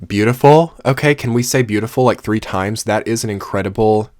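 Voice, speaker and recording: Male tarot reader, deep and dry, earnest and meandering, voice wearing thin. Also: a little fast, darkish tone, no room sound. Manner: rambling, earnest, with many fillers. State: losing his voice. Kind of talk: casual tarot reading to camera.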